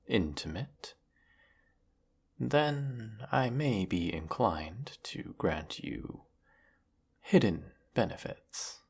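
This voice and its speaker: Casting: male actor as evil space emperor for audio drama, husky and unhurried, cruel, theatrical, secretly lonely, formal villain delivery. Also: full character voice. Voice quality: gravelly, husky, low. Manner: measured, theatrical, menacing, formal villainous drawl. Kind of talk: scripted sci-fi audio roleplay monologue.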